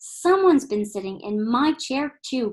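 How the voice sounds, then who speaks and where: In a put-on character voice, a woman growls at a high pitch and a moderate pace. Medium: read story.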